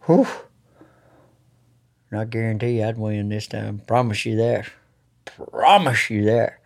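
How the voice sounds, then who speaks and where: A man's voice: lowish voice, level tone, unhurried, gravelly, dark tone. A man in his early fifties with a rural American country accent, talking candidly and bluntly with plenty of swearing. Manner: blunt, profane, folksy drawled phrasing. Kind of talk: raw, candid talk.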